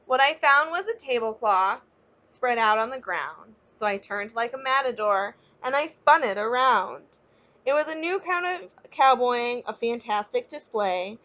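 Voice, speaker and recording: A woman teacher reading a children's picture book aloud expressively, stepping out of the story to chat with young listeners. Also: fairly high pitch. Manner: expressive, pausing to ask young listeners questions and explain.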